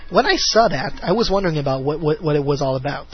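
Animated and quick, with a breathy edge to his high-leaning voice, a man hosts a casual fan talk show podcast full of rambling, fillers and restarts. Faint music comes through the muffled, lo-fi audio.

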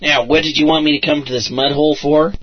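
A man's voice: on the high side, fairly even intonation, fast, slight background noise, lightly acted. A man voicing an impatient, folksy trooper sergeant who barks orders at his squad. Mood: gruff. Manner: folksy, bossy, exasperated. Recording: muffled lo-fi recording.

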